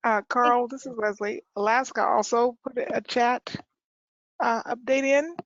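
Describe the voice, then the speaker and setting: A woman on a virtual meeting relaying a state's update from the chat in a brisk, informational way. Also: a little high, fairly even intonation, no echo, highs cut off. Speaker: meeting participant.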